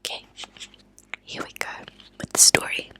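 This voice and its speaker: A woman speaks entirely in a breathy whisper with a bright, crisp edge. She reads in a deliberate, soft ASMR manner, as a host sharing stories. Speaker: ASMR host reading true crime stories aloud. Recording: lo-fi close whispered ASMR recording.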